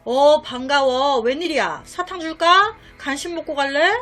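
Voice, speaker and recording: A woman's voice: sits high, normal speed, pushed and bright, soft background music. A woman voicing a grandfather in his eighties, a kindly old man who turns stern and scolding.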